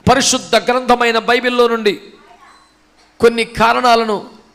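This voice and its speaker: A man preaching with a strikingly high voice. He speaks in a teasing, everyday way and keeps urging the congregation to answer loudly. His delivery climbs into fervent shouts. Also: little pitch movement, moderate pace. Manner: teasing, colloquial, calls for loud responses, builds to shouting. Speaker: pastor. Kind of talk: sermon.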